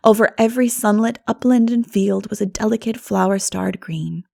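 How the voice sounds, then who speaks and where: Creaky-voiced woman narrating an audiobook. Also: mid-range voice, normal speed. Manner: expressive storytelling. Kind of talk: scripted literary narration.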